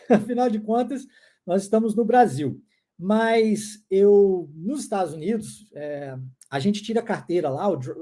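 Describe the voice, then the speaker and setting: An English teacher from New Jersey, United States, gives a pronunciation lesson in a high-pitched, mellow voice. He says words slowly for learners to repeat and chuckles often.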